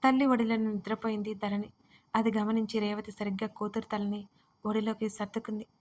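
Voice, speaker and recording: A woman narrating a romance audio story in a steady, even storytelling manner. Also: medium pitch, a little fast.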